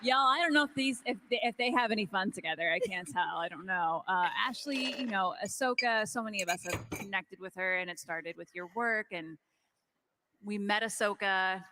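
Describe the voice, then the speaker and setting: A woman's voice: medium pitch, moderate pace, noisy background. A woman moderating a live fan panel, gushing and chatty as she tees up questions for the guests.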